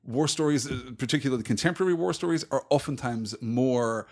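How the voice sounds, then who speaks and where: A man's voice: medium pitch, brisk. A man co-hosting a podcast, talking casually and analytically about films and comics as he explains things. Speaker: podcast co-host. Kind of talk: casual film and comics discussion.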